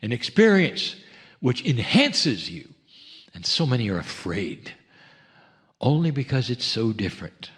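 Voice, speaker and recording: A man leading a guided spiritual meditation, speaking gently and coaxing listeners along with many questions. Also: mid-range voice, big pitch swings, unhurried, pauses often. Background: music.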